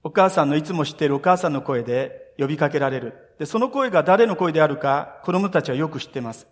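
A man's voice: a little high, lively intonation, quick pace. Earnest male pastor preaching in a reverberant hall. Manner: earnest storytelling, speaks directly to listeners, voices scripture quotes. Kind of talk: sermon. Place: church sanctuary. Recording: long reverb of a church hall.

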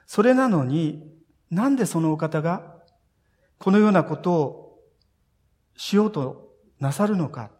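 A man's voice: fairly high pitch, measured pace, pauses often. Earnest man preaching in an echoing hall. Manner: earnest, expressive preaching with rising emphasis. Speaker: pastor. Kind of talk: sermon. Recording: long reverb of a large hall.

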